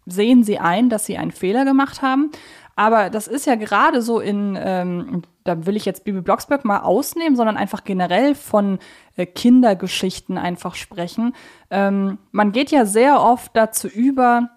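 A woman's voice: mid-range voice, moderate pace, darkish tone. A woman co-hosting a podcast, talking through her points in a reflective, analytical and explanatory way. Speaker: podcast co-host. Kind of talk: conversational podcast discussion.

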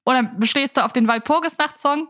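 A woman's voice: high voice, brisk, a bit bright. Woman chatting as podcast co-host. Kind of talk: casual fan podcast chat.

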